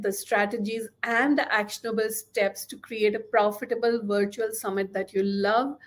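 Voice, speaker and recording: A middle-aged woman with a strong Indian accent, pitching her online course with eager encouragement on a webcam in a small room. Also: darkish tone. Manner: enthusiastic and encouraging, gesturing with both hands. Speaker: course host. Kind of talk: webinar sales pitch. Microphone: webcam at desk.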